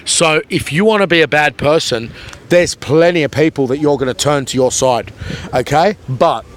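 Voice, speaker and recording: A man's voice: fairly high pitch, moderate pace, a little hiss or hum. A man vlogging at a beach, rambling and taunting a commenter. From Australia. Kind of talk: rambling vlog monologue. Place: outdoors at a beach.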